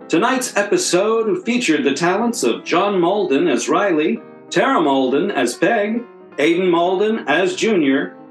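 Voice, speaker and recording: A man reads as an old-time radio announcer. The delivery is unhurried and animated, in a roomy echo. Soft guitar music plays behind. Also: fairly high pitch.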